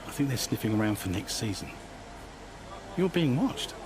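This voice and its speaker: An actor playing a chummy, smooth-talking racing team boss in a video game cutscene, breezy and a little patronising. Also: male voice, medium pitch, very animated, moderate pace, noisy background, natural voice. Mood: businesslike.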